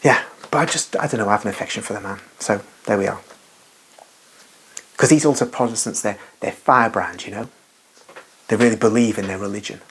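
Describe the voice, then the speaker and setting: A man's voice: on the low side, a little fast, long pauses, a bit bright, a little hiss or hum. A man giving an unscripted, rambling religious monologue as a Catholic commentator, emphatic and full of asides and restarts.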